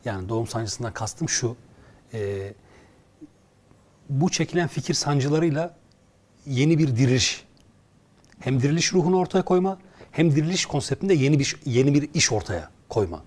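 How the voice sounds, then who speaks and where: A man appearing as a guest screenwriter in a studio talk, explaining earnestly and often pausing to search for words. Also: medium pitch, lively intonation, a little mellow. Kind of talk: casual studio conversation.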